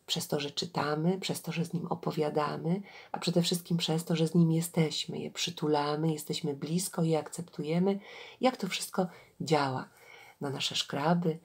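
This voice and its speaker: A woman who teaches about children's reading, talking gently to parents and reading a fable aloud in an animated storytelling way. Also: low-pitched, moderate pace, creaky, breathy edge.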